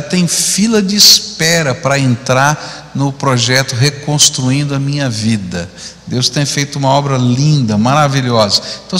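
A middle-aged man preaches a sermon on the stage of a large church auditorium, speaking conversationally into a handheld mic and frequently ending lines with tag questions. His voice is on the high side with a sharp tone, and long hall reverb surrounds it.

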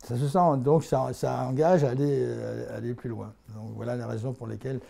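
A man's voice: medium pitch, steady tone, fairly quick, vocal fry, dark tone. A man in his eighties from the Haut-Morvan, telling his life story in a filmed interview, rambling and self-mocking, laughing often and restarting his phrases. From Haut-Morvan, France. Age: 80s. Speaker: interviewee, anthropologist. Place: office with bookshelves, indoors. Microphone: lapel mic.

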